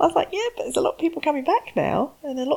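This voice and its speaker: On a very clean recording with a silent background, a woman's voice makes very wide pitch swings. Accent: English. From England. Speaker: business trainer. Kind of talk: interview.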